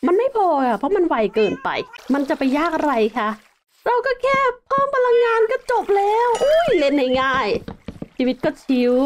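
A young woman giving casual, excitable gameplay commentary as a game host, full of exclamations. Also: high-pitched.

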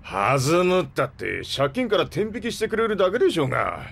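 Grumbling ship captain, swooping delivery. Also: male voice, a little high, huge pitch swings, brisk, fairly bright tone, heavily acted. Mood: grumbling, grudging. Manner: grudging, rough colloquial speech. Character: grumbling, gruff but loyal male ship captain. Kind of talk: anime-style audio drama acting.

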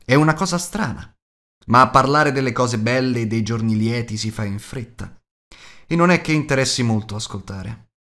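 A man narrates an audiobook at a medium pitch. He reads scripted prose expressively, as a storyteller would. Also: animated, normal speed, fairly bright tone.

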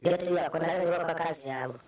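Halting male witness, distant and crowded. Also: fairly high pitch, a crowd in the background. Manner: halting, searching for words. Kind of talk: testimony.

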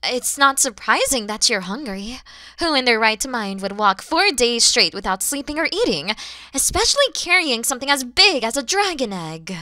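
A woman playing a kind, proud, mature dragon mother in an ASMR roleplay, with breathy delivery that often softens toward whispers and theatrical pauses. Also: a little high, sing-song, no echo. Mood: surprised, curious.

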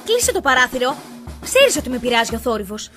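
A woman's voice: on the high side, very animated, sharp tone, faint music behind. A woman playing a scornful sister. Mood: irritable. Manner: curt and cutting, snapping back. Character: bitter, scornful, sharp-tongued sister. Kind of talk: stage play acted for radio.

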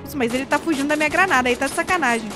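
A young woman with a Brazilian Portuguese accent, chatting excitedly through a gameplay video with frequent squeals and exclamations. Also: high-pitched, racing. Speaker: gaming YouTuber. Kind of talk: casual gameplay commentary. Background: game music and sound effects.

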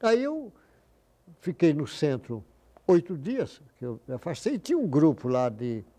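A man's voice: a little high, huge pitch swings, measured pace, mellow. An older man casually telling stories from his work as a doctor in an interview, acting out the voices of people in them. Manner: anecdotal, acts out quoted voices.

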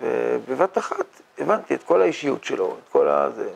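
Animated older rabbi with a gravelly voice. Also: male voice, mid-range voice. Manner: animated, rhetorical questions, mock-boastful asides. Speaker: rabbi teaching a yeshiva class. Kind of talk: Torah lecture. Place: yeshiva study hall, indoors.

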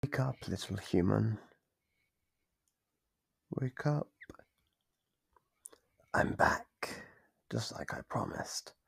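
A man voicing a sadistic, playful monster in an ASMR roleplay, gravelly and breathy, taunting and often slipping into whispers. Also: lowish voice, expressive, extremely slow, pauses often, no echo, heavily acted. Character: sadistic, playful monster from under the bed, hungry for fear.

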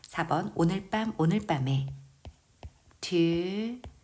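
A woman who speaks Korean natively, teaching English vocabulary in a slow, careful lesson and patiently drilling pronunciation word by word. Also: on the low side, animated, darkish tone. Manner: patient, precise pronunciation drills with repeated words.

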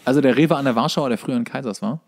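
A man's voice: medium pitch, racing, creaky. A man co-hosting a podcast, chatting casually with mock-indignant rants and emphatic wording. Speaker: podcast co-host. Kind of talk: casual chat.

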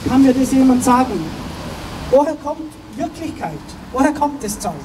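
A man's voice: very high-pitched, expressive, moderate pace. Middle-aged male speaker, Vorarlberg dialect, chatty, quizzes the crowd; distant handheld-mic sound in a noisy square. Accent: Vorarlberg Austrian German dialect. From Vorarlberg, Austria. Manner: chatty, asks the crowd questions. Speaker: guest speaker, author. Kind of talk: public talk at an outdoor rally. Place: outdoor city square. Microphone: handheld mic, filmed from afar. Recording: distant with outdoor street noise.

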